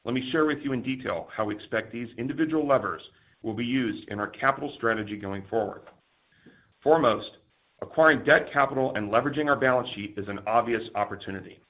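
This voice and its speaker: A man giving a scripted, formal and measured financial presentation as a company executive on an earnings call. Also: medium pitch. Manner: formal, measured corporate delivery. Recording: dull, lo-fi conference call audio.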